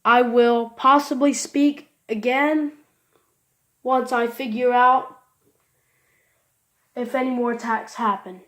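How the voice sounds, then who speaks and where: A woman playing a solemn, prayerful American president addressing a nation under attack, halting and repetitive. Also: on the high side, fairly even intonation, a bit bright. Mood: grave, pleading.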